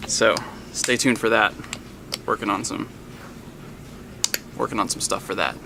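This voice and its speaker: A man's voice: fairly low pitch, measured pace. A man hosting his own vlog, talking casually and rambling to the camera with self-aware asides. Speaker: vlogger and channel host. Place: in stores and a car, noisy surroundings. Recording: noisy background with ambience.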